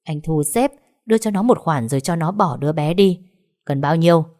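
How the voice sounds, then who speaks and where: A woman voicing a betrayed young wife in an audio story, bitter and often shouting. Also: sits low, expressive, fairly quick. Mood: bitterly controlled.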